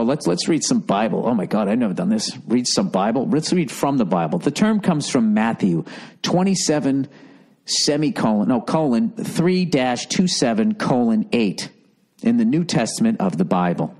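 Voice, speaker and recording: A man's voice: medium pitch, big pitch swings, normal speed, a little mellow. A middle-aged man reading a text aloud and breaking off into sarcastic, profane comic asides. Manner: sarcastic, profane running commentary. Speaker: comedian. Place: dim study with leather chair.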